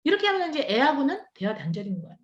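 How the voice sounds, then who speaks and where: A woman professor lectures to a hall of church teachers in a high voice that swings widely in pitch. She keeps it conversational and throws rhetorical questions at the audience. The sound is roomy and a little dull, caught in a large echoing hall. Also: racing. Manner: animated, acts out parent and teen dialogues.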